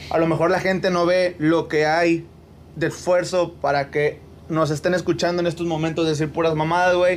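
The man's voice is pitched high. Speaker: podcast host. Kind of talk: casual chat.

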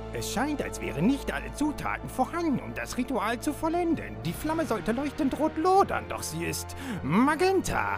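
A put-on character voice at a moderate pace over loud background music. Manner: calm, explanatory.

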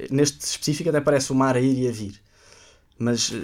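A man in a plain, everyday voice, medium in pitch, at a fairly quick pace with fairly even intonation. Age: 20s. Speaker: football coach and commentator, author. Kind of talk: interview.

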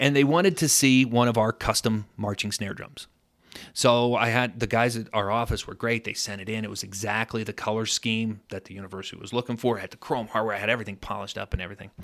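This man talks very fast at a medium pitch, with an American accent. His intonation stays fairly even, but his loudness swings widely. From US Northeast. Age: 50s. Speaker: music industry sales rep. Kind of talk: casual interview conversation. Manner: fast talker.

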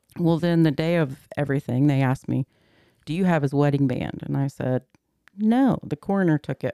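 A woman speaks at a fairly quick pace, her pitch very deep and low and her tone dark and mellow. The recording is very clean and dry, with a silent background and no echo. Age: 40s. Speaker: widow sharing her grief. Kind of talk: casual interview chat.

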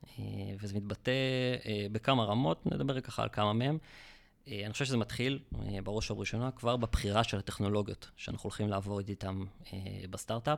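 In a very clean recording with a silent background, a man speaks fairly quickly at a fairly low pitch with ordinary pitch variation. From Israel. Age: 30s. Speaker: head of engineering. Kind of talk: interview.

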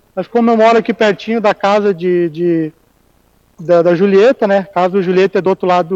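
The dry, close sound has no echo as a man with a high voice speaks at a fairly quick pace with fairly even intonation. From southern Brazil, Rio Grande do Sul (Garibaldi). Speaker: construction worker abroad. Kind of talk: video call interview. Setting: outdoors on a bridge at night, video call.

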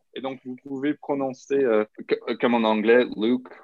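Here a man talks at a fairly slow pace. His intonation stays fairly even. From Saskatchewan, Canada (Regina). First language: English (speaking French). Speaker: podcast guest, young politics graduate. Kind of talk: casual interview.

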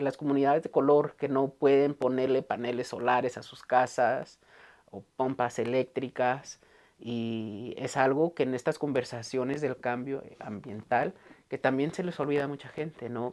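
This man's voice has a dark, mellow tone and sits at a fairly high pitch. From Denver, Colorado, US (Mexican-American family). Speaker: cultural center executive director. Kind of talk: interview.

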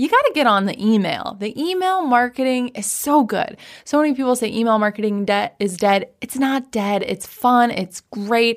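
A woman with an American accent speaks at a moderate pace in an animated tone, her pitch fairly high. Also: lively intonation, hardly any pauses. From Washington State, US. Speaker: podcast host and business coach. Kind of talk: solo podcast monologue.

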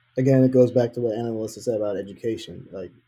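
A man speaks at a medium pitch with a New York accent. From Mount Vernon, New York. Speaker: designer and entrepreneur. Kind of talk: casual discussion.

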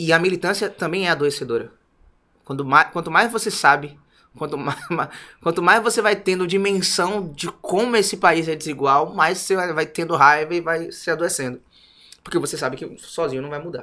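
A man at a moderate pace, high-pitched, with a bright, sharp tone and ordinary pitch variation. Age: 30s. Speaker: TV presenter. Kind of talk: casual chat.

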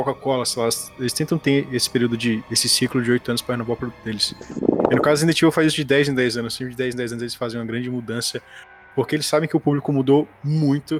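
Over noticeable background noise, a man talks at a very fast pace with a medium pitch and fairly even intonation. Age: 20s. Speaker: podcast guest, gamer. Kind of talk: casual chat.

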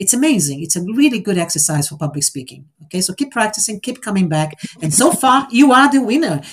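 A woman with a Portuguese accent speaks at a very fast pace. Her pitch swings very widely. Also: medium pitch for a woman. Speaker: public speaking coach and podcast host. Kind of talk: online group workshop. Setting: online audio room.

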